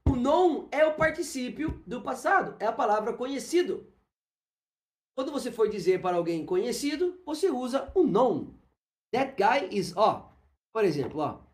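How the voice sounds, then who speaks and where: A man with a Brazilian Portuguese accent teaching English on a live stream, chatting with viewers by name and modeling slow English phrases. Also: very high-pitched.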